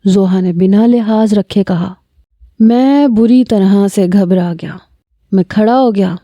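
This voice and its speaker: A woman storyteller reads a romantic tale in a steady, measured way. Her voice is very dark and warm, at a middle pitch, and recorded dry and close. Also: dry recording. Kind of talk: scripted story narration.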